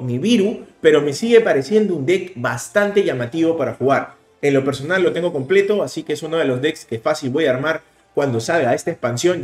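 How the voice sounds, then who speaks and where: Animated Peruvian man explaining card plays. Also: fairly high pitch, echoey room. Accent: Peruvian Spanish. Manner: animated, explaining plays rapidly with bursts of emphasis. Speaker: card game streamer. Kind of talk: casual gameplay commentary. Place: indoor room, webcam overlay.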